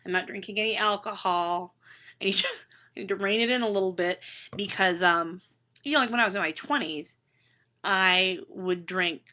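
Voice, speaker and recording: An author reading her book slips into casual, rambling chat, full of fillers, restarts and self-deprecating remarks. Her hoarse voice is medium-pitched and bright, with a forceful tone and normal speed.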